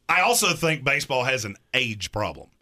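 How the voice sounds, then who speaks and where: Thirties male sports radio host, argumentative, bright and animated. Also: medium pitch. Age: 30s. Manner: emphatic, argumentative.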